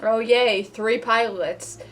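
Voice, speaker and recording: A woman's voice: a little high, steady tone, slow pace, soft background music, poor audio. A woman giving casual, sarcastic, sweary commentary as host of a reaction video.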